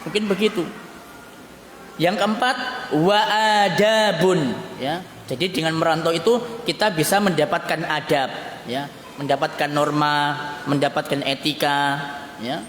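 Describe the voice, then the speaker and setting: A man's voice: fairly high pitch, a little slow, fairly bright tone. A man giving a mosque sermon. He tags nearly every phrase with a questioning "ya" and slips into phrases. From Yogyakarta, Indonesia. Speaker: preacher. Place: mosque hall. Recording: echoey mosque hall with long reverb, faint hiss.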